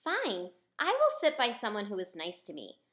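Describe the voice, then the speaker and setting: A woman's voice: mid-range voice, huge pitch swings, moderate pace, a bit bright. A woman voicing a sensitive but brave schoolgirl in a children's picture book, earnest and plucky. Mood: courageous. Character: Chloe, sensitive but courageous middle-school girl.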